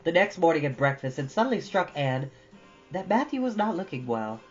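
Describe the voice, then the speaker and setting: A woman narrating a storybook in an expressive, dramatic, emphatic read. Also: sits low, a little fast, muffled recording, faint music behind.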